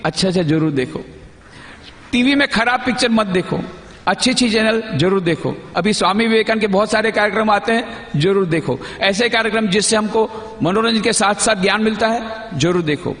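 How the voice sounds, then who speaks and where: A man with a rather high voice gives a monk's talk to a youth convention. He teaches patiently, poses questions to his listeners and repeats his main points. The sound rings through a large hall with a long, roomy reverb. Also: a bit bright. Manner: teacherly, asks the audience questions; repeats key phrases for emphasis. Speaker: monk giving a talk.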